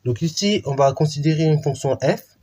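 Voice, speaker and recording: A man's voice: fairly high pitch, moderate pace, a little mellow. A man teaching a math lesson in an informal way, with many fillers and restarts while he explains a theorem.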